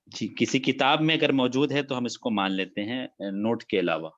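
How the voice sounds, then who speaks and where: A man's voice: mid-range voice, fairly bright tone, highs cut off. A man teaching an online class, repeating key facts and dates.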